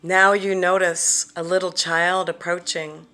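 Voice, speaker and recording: A woman guides a meditation at a very slow pace, in a slightly low voice. Her delivery is gentle and deliberate, leaving long pauses between phrases, some of them softly breathed. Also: flat delivery. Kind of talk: guided visualization, soothing meditation narration.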